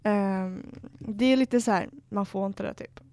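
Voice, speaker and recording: A woman's voice: mid-range voice, no echo. A young woman, co-hosting a casual podcast chat, giggly and swearing as she tells stories. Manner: giggly, swearing, animated storytelling. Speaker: podcast co-host.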